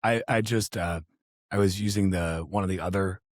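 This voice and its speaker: A man hosting a podcast, chatting casually, losing his voice and sounding hoarse and gravelly, excitable and swearing casually. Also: low-pitched, normal speed, no room sound, studio quality. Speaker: podcast host.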